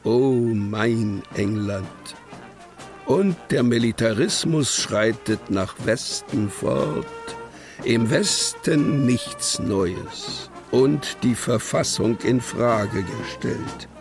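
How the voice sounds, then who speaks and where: Brooding captive poet, radio play, solemn declamation, widely swooping pitch, gravelly fry, faint music behind. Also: male voice, lively intonation. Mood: bitter, declamatory. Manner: solemn, declamatory, with weighty pauses. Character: imprisoned male poet, brooding, defiant, incantatory. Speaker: actor reciting poetry in a radio play. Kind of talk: German literary radio play, dramatic poetic recitation.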